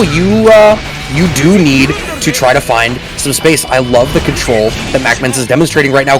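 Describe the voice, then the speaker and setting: A man commentating a fighting game tournament, excitable and animated, breaking into shouts at big plays. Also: fairly high pitch, rough recording. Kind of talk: esports play-by-play commentary. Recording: music playing underneath.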